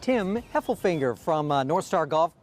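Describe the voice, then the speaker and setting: A man's voice: on the high side, big pitch swings, moderate pace. A man interviewing and promoting an event in a casual TV segment, speaking outdoors. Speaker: guest presenter and event organizer.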